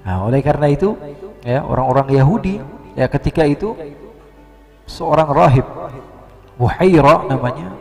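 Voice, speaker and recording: A man with an Indonesian accent preaching a lively, humorous sermon, storytelling with acted quotes. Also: on the high side, moderate pace, vocal fry, pauses often, soft background music. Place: large mosque hall. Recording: reverberant hall.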